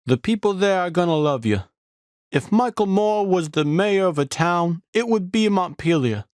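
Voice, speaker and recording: Man putting on a high, gushing, enthusiastic cyclist. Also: expressive, normal speed, no echo, studio quality.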